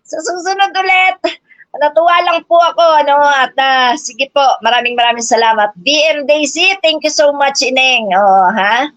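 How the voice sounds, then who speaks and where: A woman's voice: high voice, moderate pace, a bit bright, no echo. An older woman livestreaming a combative, mocking rant, cursing often, laughing, and calling her viewers brothers and sisters. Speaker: political livestream vlogger. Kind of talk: live-stream rant. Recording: dull lo-fi stream audio.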